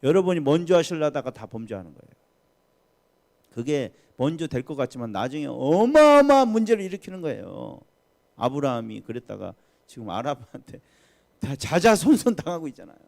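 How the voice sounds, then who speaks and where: A man's voice: medium pitch, big pitch swings, brisk, vocal fry, a little mellow. A man preaching a sermon as pastor at a midweek prayer service, talking emphatically and putting questions to the congregation.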